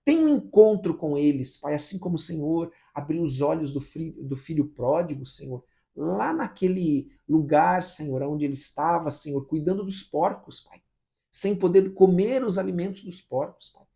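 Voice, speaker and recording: A Brazilian pastor reading scripture and then leading a fervent morning prayer, full of repeated pleas. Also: male voice, on the high side, expressive, normal speed, vocal fry, warm tone. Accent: Brazilian Portuguese.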